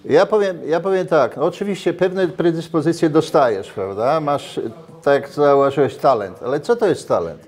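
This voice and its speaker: A man's voice: a little high, moderate pace. An older man in a casual interview, talking animatedly with many restarts, recorded on a lapel mic in a brick-walled restaurant. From Poland. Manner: animated, gestures while talking, frequent restarts. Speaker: interviewee, former footballer.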